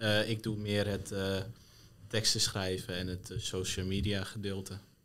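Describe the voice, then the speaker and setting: An unremarkable speaking voice from a man, fairly low in pitch, at a moderate pace with fairly even intonation. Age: 20s. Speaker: communication student intern. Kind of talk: casual podcast chat.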